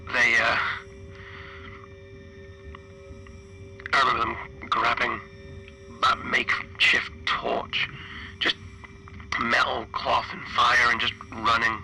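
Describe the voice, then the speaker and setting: A man playing a stranded, grieving spaceship engineer recording a radio-like log for a horror tabletop game, halting and deliberate with long pauses. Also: medium pitch, bright, forceful tone, a little hiss or hum, poor audio. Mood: grieving, despairing. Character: stranded male spaceship flight engineer, weary, grieving lone survivor.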